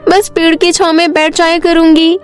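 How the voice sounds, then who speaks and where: Woman putting on a whiny, very high lazy sister. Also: level tone, moderate pace, faint music behind. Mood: scheming, grumbling. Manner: whiny, careless. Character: lazy, greedy, whiny young village sister.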